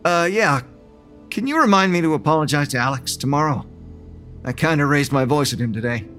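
An actor playing an anxious man who unravels into paranoia, stammering and halting as he narrates. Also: fairly high pitch, expressive, a bit bright, faint music behind. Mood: tired, evasive. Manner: halting, stammering, rising to desperate pleading. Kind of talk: audio drama acting with narration.

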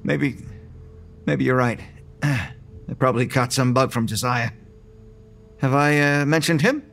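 An actor playing an anxious man who unravels into paranoia, stammering and halting as he narrates. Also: mid-range voice, vocal fry, a bit bright. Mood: tired, evasive. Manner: halting, stammering, rising to desperate pleading. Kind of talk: audio drama acting with narration.

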